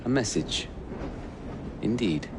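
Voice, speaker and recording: An actor playing a shy, courteous gentleman who speaks in a gentle, formal way. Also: on the low side, expressive, slow pace, noisy background. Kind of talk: video game cutscene acting.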